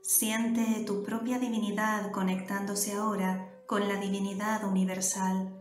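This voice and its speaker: A woman with a Canary Islands Spanish accent leads a guided meditation in a slow, level voice that barely rises or falls. She gives soft, calm instructions with long pauses, in a roomy, echoey recording with faint music underneath. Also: medium pitch. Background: soft background music.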